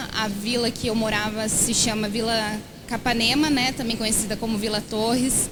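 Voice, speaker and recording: The intonation is monotone and flat. Audible room echo and noticeable background noise surround the voice. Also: woman. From Brazil, Curitiba (Paraná). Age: 20s. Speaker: pastor's daughter-in-law, church member. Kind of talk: interview.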